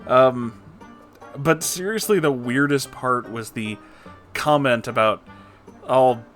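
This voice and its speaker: A man hosting a story-reading channel, reading online posts aloud and adding animated, casual, joking asides. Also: medium pitch, slow, faint music behind. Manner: animated, jokey, informal asides.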